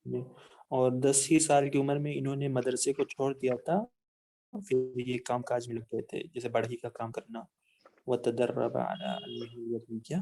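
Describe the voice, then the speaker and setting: A man in an online class slowly reading out facts from his notes. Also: medium pitch, fairly even intonation, warm tone.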